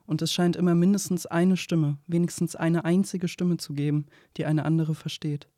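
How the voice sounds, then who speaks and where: A reflective man acting as narrator for a poetic radio play. His fairly high male voice is mellow and very even, measured and restrained, recorded dry. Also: dry recording, close to an everyday voice.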